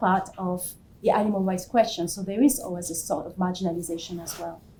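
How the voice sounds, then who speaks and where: Her voice carries audible room echo. This woman's pitch varies in an ordinary way. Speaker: academic author. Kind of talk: conference Q&A. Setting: conference with audience. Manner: soft-spoken.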